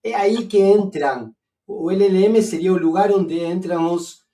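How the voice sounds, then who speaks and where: A philosopher guest with an Argentine Spanish accent talks in a relaxed academic conversation, his voice fairly high and a bit distant from the mic. He sounds professorial yet hesitant, pausing on "eh" and restarting often as he works through ideas.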